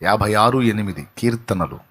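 A male pastor preaching a sermon with impassioned delivery, swinging from hushed to loud and pressing questions on the listener. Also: lowish voice, expressive, normal speed, slightly rough. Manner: speaks directly to each listener, pressing questions.

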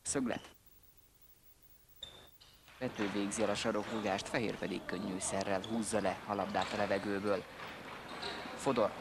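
A man giving play-by-play sports commentary in short, clipped calls. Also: lowish voice. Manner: terse, clipped calls of players' names. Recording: noisy indoor sports hall recording. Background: sports hall noise, bouncing ball.

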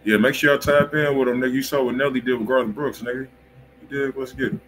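A man's voice: medium pitch, fairly even intonation, quick pace. An American man hosting a music livestream, chatting casually in heavy slang and saying "bro" often, in a small indoor room. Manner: slangy, peppered with "bro" and filler repeats. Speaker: host of a music review livestream. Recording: clear background noise, room ambience.

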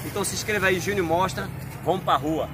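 A man hosting a street prank video, talking quickly and insistently as he presses strangers. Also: high voice. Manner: insistent, pleading, fast-talking. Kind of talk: street prank, persuasive chatter. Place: outdoors on a city street. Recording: street noise from passing cars. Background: traffic noise.

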